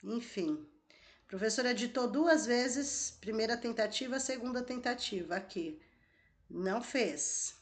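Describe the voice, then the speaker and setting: A woman's voice: on the high side, a little slow. A woman teacher, walking students through an exam question step by step and asking them questions. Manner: explains step by step, asks the class questions. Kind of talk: exam-prep lesson walkthrough.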